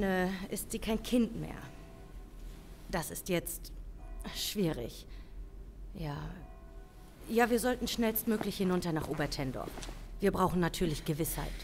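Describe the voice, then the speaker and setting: Actress as a lowish, authoritative police official. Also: female voice, lively intonation, a little mellow, faint music behind. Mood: grave, decisive. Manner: measured, formal, decisive. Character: level-headed, authoritative senior female police official. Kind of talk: German audio drama acting.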